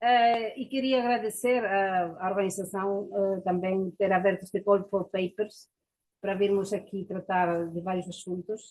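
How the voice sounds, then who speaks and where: Using fairly even intonation, a woman speaks at medium pitch with a Spanish accent. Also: fairly slow pace. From Galicia, Spain. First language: Galician/Spanish (speaking Portuguese). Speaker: university researcher. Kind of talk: conference presentation. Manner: halting, many fillers and restarts.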